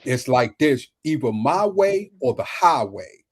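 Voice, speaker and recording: A man speaking on a casual panel discussion, halting and repeating words as he works toward his point. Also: medium pitch, very animated, breathy edge.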